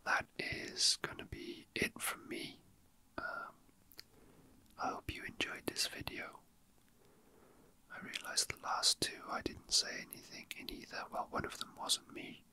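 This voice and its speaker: Breathy, gentle whispering from a man who hosts ASMR videos, captured close up. His unscripted, casual delivery comes in stops and starts.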